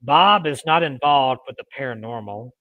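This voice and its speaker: A man hosting a paranormal show, reading ghost stories aloud in deliberate phrases with casual asides. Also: mid-range voice, expressive, no room sound, phone-quality sound. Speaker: host of a paranormal storytelling show.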